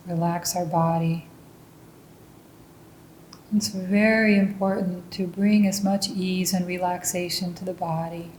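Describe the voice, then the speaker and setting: A woman leading a guided mindfulness meditation, speaking calmly and gently. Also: on the low side, echoey room, slight background noise, rough recording. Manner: slow, calm and gentle instruction.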